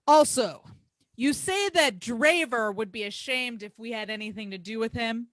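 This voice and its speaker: A woman's voice: fairly high pitch, normal speed, fairly bright tone, close to an everyday voice. A woman playing a brash, boastful male pro wrestler, reading crude, grandiose trash-talk promos with taunting, emphatic delivery. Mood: taunting, cocky.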